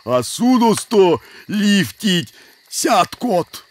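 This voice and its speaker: An actor voicing a boastful, hungry male forest spirit monster in a cartoon, with a deliberate way of talking. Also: high-pitched, very animated, heavily acted. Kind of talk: cartoon character acting.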